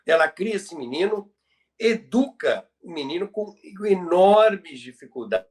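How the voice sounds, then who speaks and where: High-pitched, slow-talking older Brazilian man. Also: big pitch swings, darkish tone. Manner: emphatic, repeats phrases, halting delivery. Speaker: podcast host and storyteller. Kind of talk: conversational retelling of radio history.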